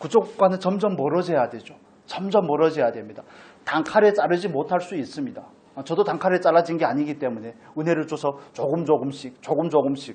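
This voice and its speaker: A man with a fairly high pitch talks at a fairly quick pace with lively intonation. His loudness swings widely. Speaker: pastor. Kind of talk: sermon. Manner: sharp intonation that can sound angry.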